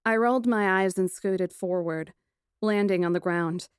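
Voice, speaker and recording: A woman reading first-person fiction as an audiobook narrator, with a dramatic, expressive delivery. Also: medium pitch, unhurried, smooth, no echo, studio quality.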